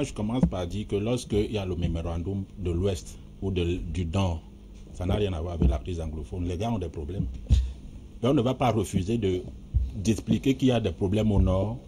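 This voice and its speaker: A man's voice: sits low, noisy background. A man from Cameroon with a Cameroonian French accent making emphatic points, one after another, on a debate panel.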